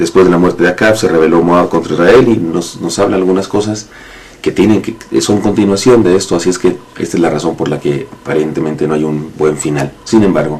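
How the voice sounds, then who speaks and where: A man with a very deep, low pitch talks at a moderate pace with ordinary pitch variation. Noticeable background noise and audible room echo fill the recording. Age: 50s. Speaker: pastor. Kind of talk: devotional sermon. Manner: halting.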